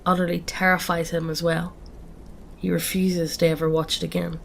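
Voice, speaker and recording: A woman's voice: lowish voice, level tone, normal speed, gravelly, slight background noise. A woman reading scary stories aloud in a casual, swearing storytelling manner. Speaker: horror story narrator. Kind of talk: scripted horror story narration.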